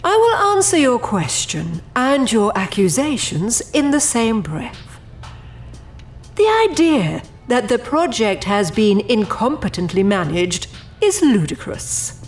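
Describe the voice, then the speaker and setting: In an audio drama, a woman with a medium-pitched voice plays the proud, formal and defensive overseer of an infernal project, speaking with haughty, precise diction.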